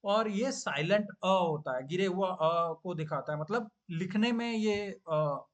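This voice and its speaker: A man teaching scripture in a class, explaining patiently, with frequent drawn-out hesitation sounds and English phrases mixed in. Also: high-pitched. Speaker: Gita teacher. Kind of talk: online class lesson.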